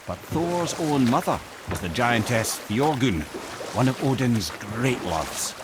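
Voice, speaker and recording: An actor voicing an eloquent, wry old Scottish sage, telling stories in a theatrical, measured way as a video game character. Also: male voice, mid-range voice, expressive, noisy background. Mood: fond, storytelling. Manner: theatrical, wordy, measured storytelling with wry asides. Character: wry, eloquent old male sage and former royal advisor, storyteller.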